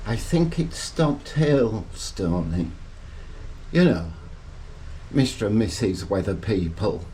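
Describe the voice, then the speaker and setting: Middle-aged guy, low and unhurried, dry asides while he works in the garage; DIY vlogger. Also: expressive, dark tone, a little hiss or hum, rough recording. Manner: wry, chatty asides between tasks. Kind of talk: casual talk-to-camera while working. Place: garage and yard, partly outdoors.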